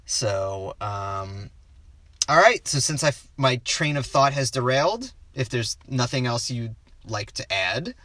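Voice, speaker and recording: Bright, rambling man chatting about films. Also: mid-range voice, sing-song, unhurried, dry recording. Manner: rambling, stops himself often and trails off. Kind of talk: casual film discussion.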